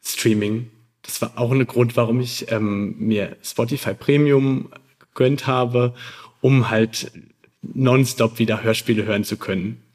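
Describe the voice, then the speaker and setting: A man's voice: mid-range voice, fairly even intonation, a little slow, darkish tone. A man in his thirties chatting casually as a podcast guest, recounting personal memories. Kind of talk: casual chat, telling childhood anecdotes.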